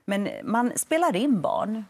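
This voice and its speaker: A woman in her forties, a lawyer and studio guest on a morning TV show, explaining in a measured, firm way on a lapel mic. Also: a little high, big pitch swings, breathy edge. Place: TV studio set.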